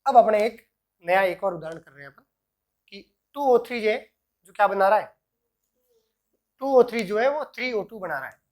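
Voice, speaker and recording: A male chemistry teacher working through examples, asking himself questions and answering them, and dictating formulas slowly piece by piece. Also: sits high, animated, a little mellow. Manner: answers own questions, repeats "ठीक है" often. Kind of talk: explaining worked examples at a board.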